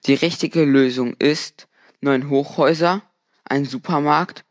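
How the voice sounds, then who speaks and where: A man giving a measured announcement of quiz answers. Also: on the high side, steady tone, no echo.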